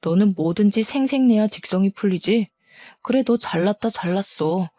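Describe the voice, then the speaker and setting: A woman's voice: mid-range voice, normal speed, warm tone, dry recording, natural voice. A woman voicing a cheating middle-aged husband who blusters, shifts the blame and scorns his wife. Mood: defensive, scornful.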